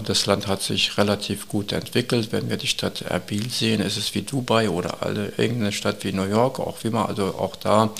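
Low gravelly guy, serious expert interview, slow careful talk with lots of ums and restarts. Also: fairly bright tone. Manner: measured, urgent, with many hesitations. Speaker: expert guest. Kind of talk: earnest interview answers.

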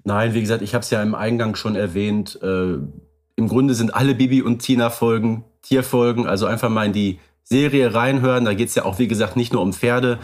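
A man's voice: lowish voice, fairly even intonation, fairly quick. Agreeable man co-hosting a podcast. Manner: agreeable, affirming, conversational. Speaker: podcast co-host. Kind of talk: casual chat about radio plays.

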